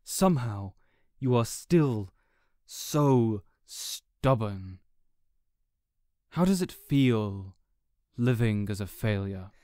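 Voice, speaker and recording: Man playing a smug, condescending supervillain, crisp voice. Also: on the low side, animated, warm tone, dry recording, studio quality. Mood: scornful. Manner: deliberate, condescending, theatrical monologuing. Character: smug, contemptuous male supervillain gloating over a beaten rival. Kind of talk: audio roleplay villain acting.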